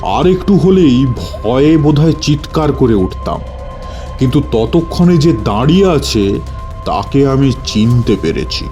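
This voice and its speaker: Music plays behind a man telling a horror story in the first person. His voice is dark and mellow, and he unfolds the narration slowly and dramatically. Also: mid-range voice, lively intonation. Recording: music bed under the voice.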